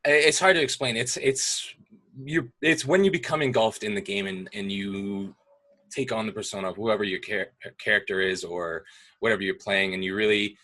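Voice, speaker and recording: Young man, very low voice with a bright edge, easygoing explainer on a video call. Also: normal speed. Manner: relaxed, explanatory, hedging with fillers. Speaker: guest speaking about gaming. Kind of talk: casual video call discussion.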